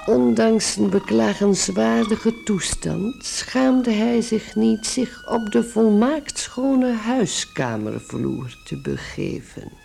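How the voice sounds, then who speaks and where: A man narrating a radio drama in a measured, literary manner from a script. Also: high-pitched, expressive, creaky, darkish tone, slight background noise.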